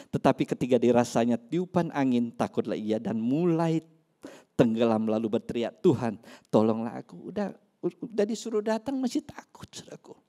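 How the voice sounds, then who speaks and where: A pastor preaching a sermon in church, swinging between loud emphasis and soft asides. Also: male voice, medium pitch.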